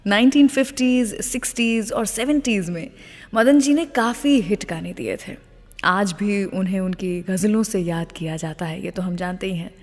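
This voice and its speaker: Female radio presenter, mid pitch, lively anecdotal delivery, reverberant sound. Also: moderate pace. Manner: lively, poses questions to listeners then answers them. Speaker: radio host.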